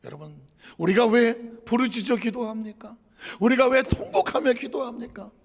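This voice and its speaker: A man's voice: extremely high pitch, moderate pace, big-room sound. A middle-aged man preaching a sermon as a pastor, emphatic and dramatic, asking rhetorical questions.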